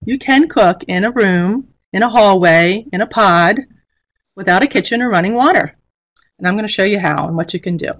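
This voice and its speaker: A woman's voice: medium pitch, normal speed. A middle-aged woman giving an informal instructional presentation as a teacher, speaking over a video call. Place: indoor room, on a webcam video call.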